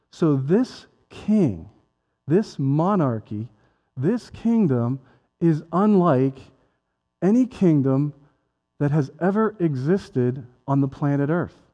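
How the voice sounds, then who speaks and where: A man's voice: fairly high pitch, warm tone. A man preaching a sermon as pastor, talking conversationally and joking with people in the congregation. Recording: dull lo-fi sound with long hall reverb.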